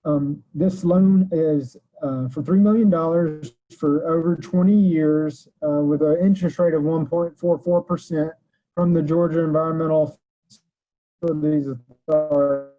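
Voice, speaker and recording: A man, a consulting engineer, giving a measured report to a county board over a remote call whose audio keeps breaking up. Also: fairly high pitch, steady tone. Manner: measured, plain briefing with filler pauses. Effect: choppy call audio that keeps breaking up. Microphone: remote call-in line. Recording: tinny, breaking-up phone line.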